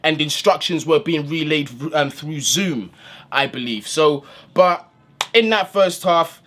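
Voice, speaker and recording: A man's voice: fairly high pitch, a little slow, a bit bright, slight background noise. A man giving a casual, slang-filled post-match breakdown as a football fan channel host, recorded indoors in a room. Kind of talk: post-match analysis monologue.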